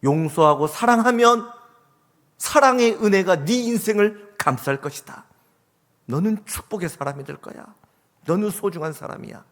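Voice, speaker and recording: A man preaching acts out a wise mother softly coaxing her hurt son, in a church hall with a long reverb. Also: sits high, expressive, moderate pace, pitched above the performer's own voice. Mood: tender.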